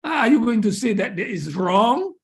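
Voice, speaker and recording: A man's voice: extremely high pitch, very animated, normal speed. A man with a Malaysian accent giving an academic lecture, emphatic and repeating key phrases. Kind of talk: academic lecture and question answering.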